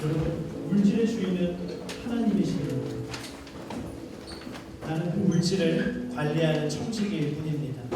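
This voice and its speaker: A pastor preaching, then leading a fervent prayer that rises to loud pleading. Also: male voice, on the high side, background noise. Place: church worship hall. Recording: echoey hall from far off with music.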